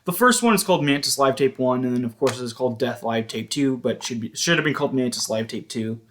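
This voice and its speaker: A man's voice: medium pitch, animated, fairly bright tone. A man giving a casual, hesitant show-and-tell commentary as a collector, often stopping to correct himself. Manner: halting, hesitant, self-correcting. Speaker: music collector vlogger.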